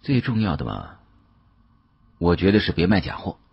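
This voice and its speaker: Male narrator as young antique dealer, audiobook drama, husky, low voice, puzzled, wry, questioning. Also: big pitch swings, moderate pace, muffled recording, full character voice. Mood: modest.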